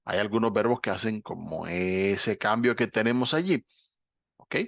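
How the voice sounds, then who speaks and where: A male teacher with a gravelly, creaky voice walks through grammar patiently, pausing to check that students follow. The sound is dull and dry, like a lo-fi online class recording. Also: lowish voice, no room sound. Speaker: English teacher. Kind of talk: explaining grammar in a class session.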